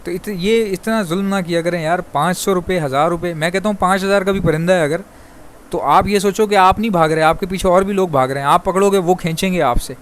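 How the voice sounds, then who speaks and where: A man from Pakistan who vlogs about breeding birds, talking quickly and chattily to his viewers and calling them brother. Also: high-pitched, a little hiss or hum. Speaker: bird breeder vlogger. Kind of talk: fast casual monologue to viewers.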